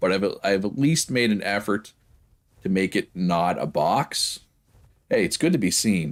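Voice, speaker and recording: Lively intonation and very even loudness at a fairly slow pace, with long, frequent pauses, on a very clean recording with a silent background. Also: man. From Prince Edward Island, Canada. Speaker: game streamer. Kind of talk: live gameplay stream chat. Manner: casual, chatty with filler words.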